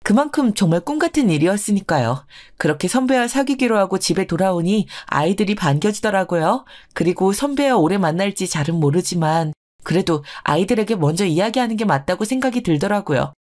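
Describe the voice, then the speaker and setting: A woman's voice: medium pitch, lively intonation, a little fast, hardly any pauses, darkish tone. A woman in her forties narrating her own story in a scripted, confiding first-person way.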